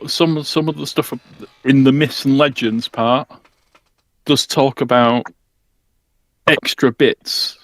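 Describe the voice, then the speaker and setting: A man's voice: medium pitch, fairly bright tone, no room sound. Male panelist, hesitant casual explainer, close dry sound. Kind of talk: casual history discussion.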